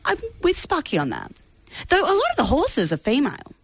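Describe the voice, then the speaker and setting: A woman's voice: sits high, brisk, dry recording. An Australian woman hosting a radio show, chatting casually and giggling easily. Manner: giggly and animated. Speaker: radio host.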